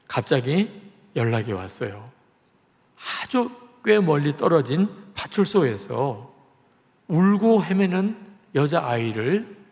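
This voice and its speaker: Male pastor, revival sermon, lively high voice, echoing sanctuary. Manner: dramatic storytelling with sudden loud and soft swings. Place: large church sanctuary. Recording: echoey church hall reverb.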